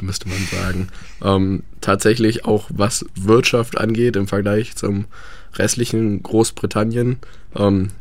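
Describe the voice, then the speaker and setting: A man's voice: on the low side, dry recording. A young man chatting about life abroad, hesitant with many fillers. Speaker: guest. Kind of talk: casual radio chat.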